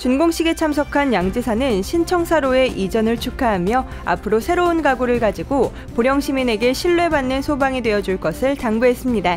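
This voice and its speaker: A woman speaks high for a woman with lively intonation, at a moderate pace and with hardly any pauses. Her loudness stays very even, and music plays in the background. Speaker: news reporter. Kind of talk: regional government news report.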